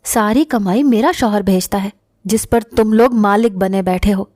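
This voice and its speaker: A woman voices a scheming, cruel middle-aged aunt in a narrated tale. Her taunting words come in a dark, mellow tone. The recording is dry and close. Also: medium pitch, no room sound, natural voice. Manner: taunting and harsh.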